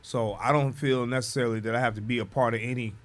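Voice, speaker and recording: A man's voice: medium pitch, fairly even intonation, quick pace. A man, talking as a guest DJ in a casual radio interview, laid-back and drawling, chuckling between thoughts. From Detroit, USA.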